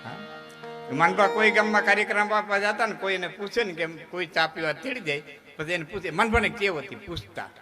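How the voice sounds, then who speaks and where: A man's voice: sits high, brisk, over music. A man with a Kathiawadi Gujarati accent telling humorous folk stories on stage, chatty and jokey, often checking in with his listeners. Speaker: folk storyteller. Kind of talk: live humorous folk storytelling. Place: stage before a live audience. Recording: live audience noise. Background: crowd.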